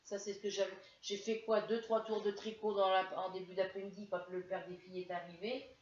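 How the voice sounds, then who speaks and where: A French woman who makes crafts vlogs tells her viewers a casual, rambling story to camera, hesitating a lot because she feels ill with a headache. Her mid-range voice is brisk with little pitch movement, and the roomy, dull lo-fi home recording has slight background noise.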